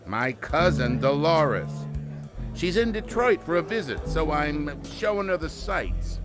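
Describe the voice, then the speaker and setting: Man acting a smug, slow-talking slippery hood. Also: fairly high pitch, big pitch swings, music in the background. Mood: smug, evasive. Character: smug, slippery two-timing small-time hood. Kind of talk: noir radio-drama acting.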